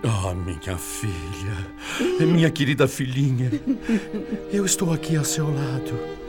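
Anguished loving ghost dad in a radio soap, swoopy pleading voice, loud music. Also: male voice, medium pitch, expressive. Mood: anguished tenderness. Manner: emotional, drawn-out, pleading. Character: anguished loving father's spirit comforting his daughter. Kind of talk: radio soap opera acting.

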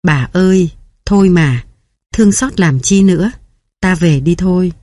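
Woman reading as a kind old mom, soft and coaxing, lowish warm voice. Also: unhurried. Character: gentle old mother comforting a stranger.

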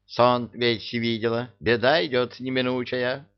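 A man voicing a grumpy, bossy old witch with a shrill, scolding voice, read as a storybook. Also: steady tone, unhurried, smooth, natural voice. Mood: urgent. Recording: dull lo-fi recording.

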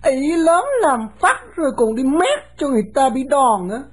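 Woman voicing a brash little boy, high and loud, mouths off at grown-ups. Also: very animated. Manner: brash, mouthy, quick to talk back. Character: bold, cheeky young boy, brash and fearless.

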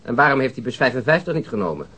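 A grumbling police detective in a radio drama. He speaks quickly in a husky voice, with a blunt, sarcastic manner. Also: medium pitch, very animated, bright, forceful tone, exaggerated voice. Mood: sceptical. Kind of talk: Dutch radio drama acting.

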